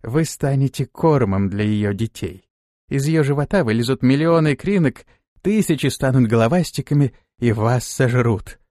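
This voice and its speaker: A man voicing a dutiful female servant in an audiobook, speaking in a quiet, lifeless, slow voice. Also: medium pitch, expressive, dry recording, studio quality, lightly acted.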